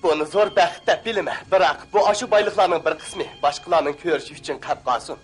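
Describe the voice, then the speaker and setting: A man voicing a helpful adult male sidekick in a cartoon dub, with a hurried, urging manner. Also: fairly high pitch, faint music behind, close to an everyday voice.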